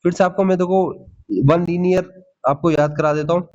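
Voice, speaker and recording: A man with a fairly high voice teaches English grammar in for exam prep. He is lively and keeps checking in with "ठीक है?" and calls his students "भाई". The audio sounds a little dull and lo-fi. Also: normal speed. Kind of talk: Hindi grammar lesson with English examples.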